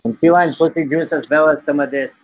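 A man playing a laid-back, crude vampire cat count in an improvised comedy interview, rambling in deadpan slang. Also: a little high, quick pace. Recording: tinny phone-like line with noise.

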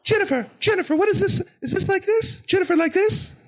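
Super high kids tv host voice, all peppy sing-song rhymes, comedy sketch. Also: male voice, a little fast. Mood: eager. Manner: rhythmic, sing-song rhyming. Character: excitable rhyming children's-show host, high-voiced and friendly.

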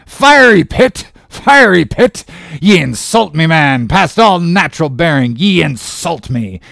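A blustering old shipowner and sea captain from a storybook. He roars explosively in archaic seafaring talk, pitched high and swinging wildly. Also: very animated, moderate pace, no room sound, studio quality. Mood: furious, outraged. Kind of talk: audiobook character voice.

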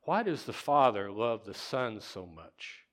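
A man preaching a sermon as pastor in a church, slow and halting with restarts, at times rising to loud, laughing emphasis. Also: fairly low pitch, big pitch swings.

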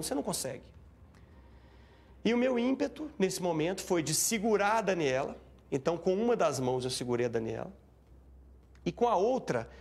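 A man recounting a tense event in an interview, animated and acting out what people said. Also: high voice, gravelly, husky. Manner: animated, acts out shouting and quoted speech. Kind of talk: emotional first-person account.

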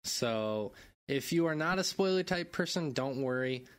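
A man hosts a casual gaming podcast with a lively, up-and-down delivery. He keeps things moving, laughs at his own tongue slips, and returns to a brisk, matter-of-fact pace when he introduces topics. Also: mid-range voice, clear, resonant tone. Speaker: podcast host.

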